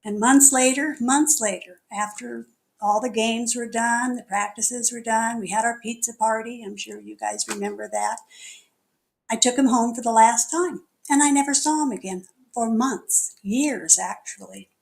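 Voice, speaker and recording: Middle-aged lady minister telling a story in her sermon, kinda high voice, chatty and candid. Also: steady tone, moderate pace, vocal fry. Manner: chatty and candid, laughing at herself. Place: spiritual center meeting hall.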